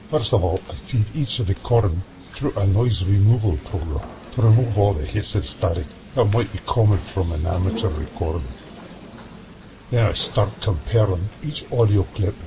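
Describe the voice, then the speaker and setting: A seasoned Scottish sound analyst, as a man plays him, calm and folksy in a low voice, talking shop with easy confidence. Hiss sits clearly under the recording. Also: natural voice. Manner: calm, folksy, says lad and aye. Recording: noisy home-made audio drama.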